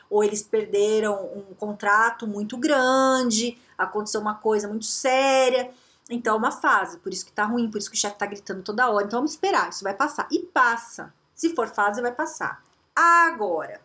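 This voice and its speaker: A woman career coach giving emphatic, animated advice straight to the viewer. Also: fairly high pitch. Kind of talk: direct-to-camera advice talk.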